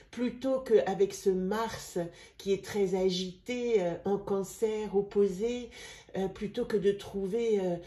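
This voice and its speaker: Brief: middle-aged woman with a cold, gentle rambling card reader, mellow tone. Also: mid-range voice. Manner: gentle, meandering, with pauses and fillers. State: has a head cold. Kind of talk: spiritual card-reading video.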